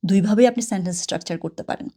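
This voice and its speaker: A woman whose first language is Bengali teaches a German lesson in a mellow, warm voice. She keeps checking in with the listener and has them repeat words after her, like a patient teacher. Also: mid-range voice, very fast. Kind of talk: casual spoken lesson.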